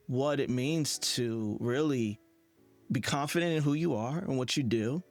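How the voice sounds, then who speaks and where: A man with an average-pitched voice hosts an interview. He speaks in a casual, conversational way, with faint music playing behind him. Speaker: interview series host.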